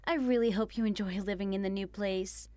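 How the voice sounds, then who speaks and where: A woman voicing a patient, hurt young wife who pleads with her mother-in-law in an animated story. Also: medium pitch, fairly quick, lightly acted. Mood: pleading. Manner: earnest, pleading. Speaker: daughter-in-law.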